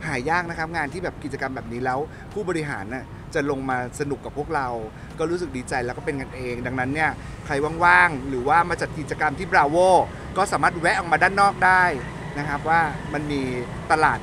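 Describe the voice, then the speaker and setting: A man's voice: on the high side, fairly quick, few pauses. A man promoting a market opening to the press, chatty and joking, recorded outdoors on press mics. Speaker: event organizer speaking to press. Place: outdoor night market at a city mall. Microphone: press mics on a table, from a distance. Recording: noisy outdoor street sound.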